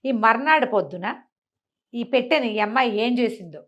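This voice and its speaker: A woman's voice: moderate pace, muffled recording. An older woman telling a village folk tale, slipping into the characters' voices as she goes. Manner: acts out characters' lines with lively pitch swings. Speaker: storyteller. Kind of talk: animated folk-tale narration.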